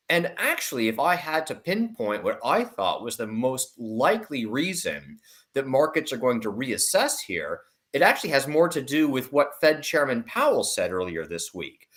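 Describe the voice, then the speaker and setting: A man's voice: medium pitch, very animated, moderate pace, a bit bright. A man speaking as an investment analyst in an interview, giving conversational commentary with repeated words and qualifying asides.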